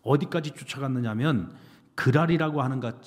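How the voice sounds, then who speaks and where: A man preaching a sermon as pastor, animated, asking the congregation rhetorical questions. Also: medium pitch, brisk. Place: church sanctuary. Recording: reverberant church sanctuary.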